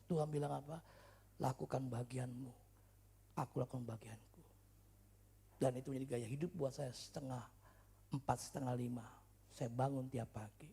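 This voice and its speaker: A male pastor preaching in a church service with humor and stories, swinging from loud shouts to quiet asides. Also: mid-range voice, creaky, slightly rough. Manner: humorous, storytelling, chatty slang. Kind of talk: sermon.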